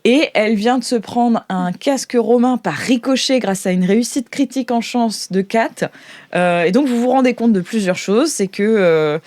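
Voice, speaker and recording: A woman hosting as game master, improvising tabletop game narration in a halting, amused way. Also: on the high side, a little mellow, dry recording.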